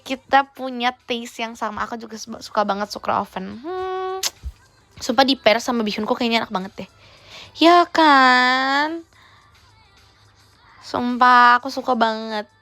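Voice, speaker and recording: A woman's voice: high-pitched, a bit bright, no echo. A young woman, chatting teasingly in a playful role-play livestream and dropping in English words. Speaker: idol livestreamer.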